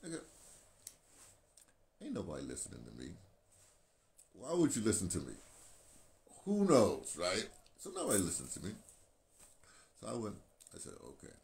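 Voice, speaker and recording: An American man in his sixties rambling casually to his phone camera, halting and digressive, repeating phrases as he goes. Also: lowish voice, huge pitch swings, a little mellow. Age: 60s. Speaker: video blogger, radio veteran. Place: small painted room indoors. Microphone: phone at arm's length. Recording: clear ambient background noise.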